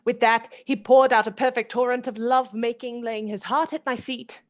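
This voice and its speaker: A woman's voice: fairly high pitch, fairly even intonation, moderate pace, lightly acted. Actress as a chatty, romantic young Victorian lady. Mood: confiding. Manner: girlish, confiding, dramatic. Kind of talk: radio play acting and storytelling.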